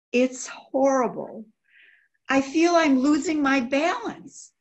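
An older woman gives a dramatic, emotional, halting reading of a diary. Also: fairly high pitch. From United States. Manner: emotional, halting, sighing delivery. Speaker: volunteer diary reader. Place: indoor room by a window.

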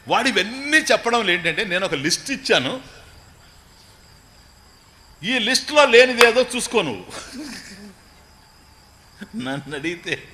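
A man gives a storytelling religious discourse in a bright, forceful, slightly high voice. He chants scripture lines slowly, then explains them in everyday talk with jokes. Faint crickets and light noise sit behind him. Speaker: spiritual teacher giving a discourse.

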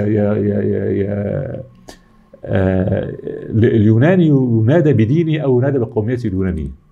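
A man's voice: mid-range voice, vocal fry, mellow, husky, highs cut off. A middle-aged man with an Egyptian accent giving an academic lecture, explaining step by step and answering his own questions. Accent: Egyptian Arabic.

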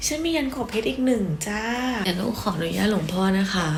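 A woman's voice: medium pitch, lively intonation, quick pace. A young woman from Thailand chatting casually as she films a tour of her small condo on a handheld phone, often dropping to a half-whisper. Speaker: vlogger. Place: small condo apartment, indoors. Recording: phone recording with room noise.

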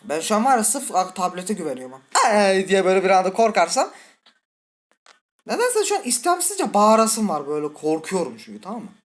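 Brief: male let's-play host, nervous and twitchy, swings from high yelps to low mutters, curses at the game, keeps asking the viewers things. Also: big pitch swings, brisk. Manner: jittery, scared, muttering and cursing at the game; talks directly to viewers. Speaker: gaming channel host.

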